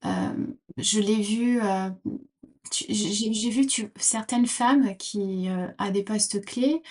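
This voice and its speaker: Woman guest from portugal, thinks out loud, lots of ums and restarts, mid pitch. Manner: thoughtful, halting, many fillers and restarts. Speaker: podcast guest. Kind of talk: interview answers.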